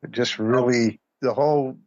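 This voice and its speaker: A man's voice: mid-range voice, steady tone, measured pace, darkish tone, no echo. Guy chatting as a guest, mid voice, bit muffled lo-fi but dry. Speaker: radio play cast member, guest. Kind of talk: casual reflective conversation. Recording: slightly dull lo-fi sound.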